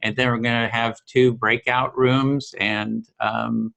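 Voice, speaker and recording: A man's voice: medium pitch, takes it slowly, vocal fry. A man running an online meeting, laying out the plan steadily with a few fillers, over a video call. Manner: organizing, steady with frequent fillers. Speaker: facilitator of an online empathy circle. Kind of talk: casual meeting facilitation.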